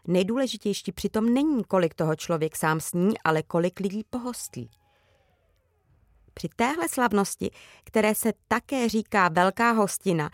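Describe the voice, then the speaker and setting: A woman reading a children's book aloud with calm, even storytelling. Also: medium pitch, no room sound, studio quality. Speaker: reader.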